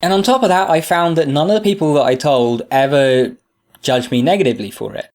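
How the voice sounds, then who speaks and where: A man's voice: a little high, fairly quick, a little mellow. A young man with a stuffy nose from a sinus infection, talking earnestly and openly to camera in a casual vlog, with lots of fillers. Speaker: video creator.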